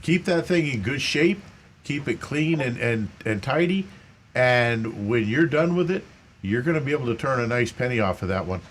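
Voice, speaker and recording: Co-host: man, mid-pitched voice, relaxed explainer, studio with a faint hum behind him. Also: moderate pace. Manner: easygoing explainer with repeated restarts. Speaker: car expert co-host. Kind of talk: radio call-in advice. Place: radio studio.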